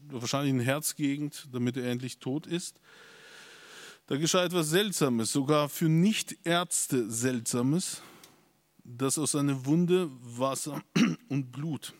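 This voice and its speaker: A man's voice: a little high, no room sound. A pastor preaching a sermon to his congregation, emphatic and insistent at times, with hesitant restarts along the way. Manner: emphatic, rising to insistent peaks.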